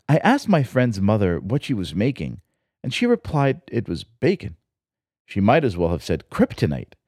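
A man from Israel, the host, reads a scripted, reflective personal essay in a wry, lyrical storytelling manner. His voice is fairly low and a little mellow, captured with clean studio sound and no echo.

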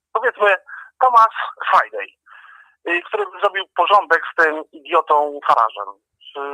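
A man's voice: fairly high pitch, sharp tone, no room sound. A man calling in to a radio show over a phone line, talking in a hesitant, rambling way. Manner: hesitant, rambling, restarts often. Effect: heard over a phone line. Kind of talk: casual call-in chat. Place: lives and works in England.

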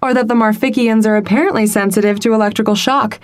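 A woman's voice: fairly high pitch, steady tone, fast talker, natural voice. A woman voicing a brassy female sex-advice radio host on a space station, speaking in polished, sassy on-air patter in a comedy audio drama.

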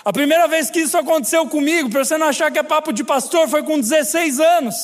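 Brazilian male pastor, very high voice, funny storyteller, preaching in a reverberant church hall. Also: quick pace. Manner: humorous storytelling, chatty asides to the congregation. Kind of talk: sermon.

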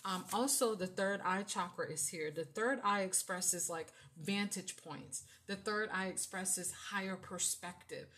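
Woman, tarot reader, carrying voice, chatty, lots of fillers, mid pitch. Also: unhurried, hardly any pauses, fairly bright tone. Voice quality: voice that carries. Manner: chatty, filler-heavy, often asks "right?". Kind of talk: casual spiritual reading.

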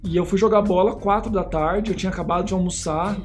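A man's voice: high-pitched, fast, faint music behind. A man with a Brazilian Portuguese accent, a missionary guest telling stories casually and acting out the voices in them. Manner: animated, acts out voices in his stories. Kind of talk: casual storytelling.

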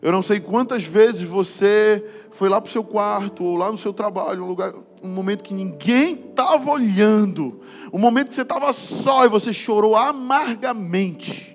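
A man pastor with a Brazilian Portuguese accent preaching a sermon, casual and slangy, building to fervent passages. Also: sits high. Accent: Brazilian Portuguese, from Belém.

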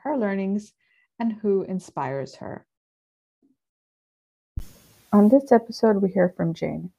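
A woman hosting a podcast, reading a measured intro and asking friendly questions on a remote call. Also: medium pitch, warm tone. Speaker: podcast host. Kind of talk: scripted intro and interview questions.

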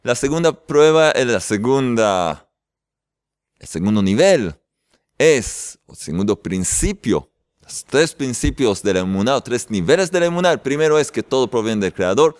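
A man's voice: mid-range voice, expressive, normal speed, smooth, dry recording. A man hosting an online faith workshop, teaching in a playful, joking way and greeting his viewers. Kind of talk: jokey faith lesson to an online audience.

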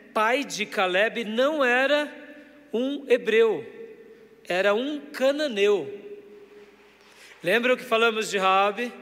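High-voiced, slow-preaching man. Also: a bit bright. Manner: slow, emphatic preaching, drawing out key words; addresses congregation directly with questions. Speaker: pastor. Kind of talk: sermon. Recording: church hall reverb.

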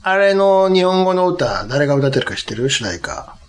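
A man's voice: high voice, big pitch swings, normal speed. A man with a Kansai accent, hosting a casual podcast chat and teasing his co-host. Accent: Kansai Japanese. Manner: teasing, banter with laughs.

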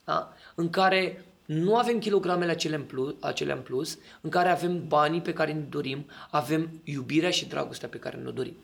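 A man's voice: on the high side, creaky, few pauses. A man in casual podcast talk, explaining his ideas and often checking that the listener agrees.

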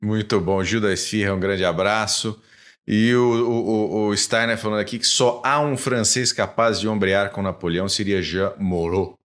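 A man's voice: fairly low pitch, steady tone. A man co-hosting a live show, casually reading out viewer names and messages. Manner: brisk, reading out names and shout-outs.

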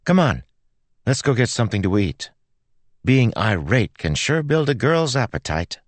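A man voicing a stubborn, outspoken teenage girl in an audiobook, with a loud, dramatic, insistent manner. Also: mid-range voice, big pitch swings, normal speed, no room sound, pitched above the performer's own voice. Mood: airy, pleased.

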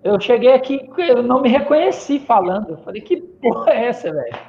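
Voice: medium pitch, sing-song, fairly quick, muffled recording, noisy background. A participant chatting on a video call in a slangy, laid-back way. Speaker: live stream participant. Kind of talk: casual chat on a video call.

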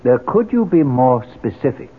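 A man's voice: mid-range voice, sing-song, normal speed, breathy edge. An actor playing a grandiose, menacing male cult leader in a pompous, oratorical, incantatory way in a 1970s radio drama. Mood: smooth, pointed. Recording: tinny, noisy 1970s radio recording.

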